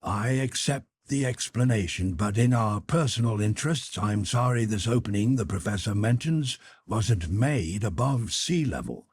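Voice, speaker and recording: A man's voice: fairly low pitch, lively intonation, moderate pace, few pauses, a little mellow, slightly rough, no room sound. A man voicing a blunt, practical whaler in an audiobook, plain-spoken and grudging. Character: blunt, practical, grumbling male Canadian whaler.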